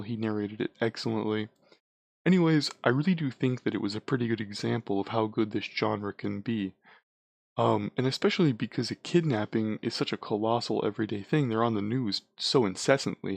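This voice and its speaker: Against a quiet background, a man talks at a fairly quick pace in an unremarkable speaking voice, his medium pitch moving with ordinary variation in a dry, close sound with no echo. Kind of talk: casual creepypasta review talk to camera.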